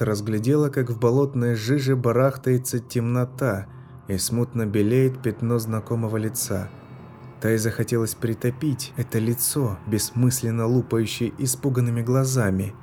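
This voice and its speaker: A man giving scripted narration of a dark fantasy story in a measured, tense manner. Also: mid-range voice. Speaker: audiobook narrator.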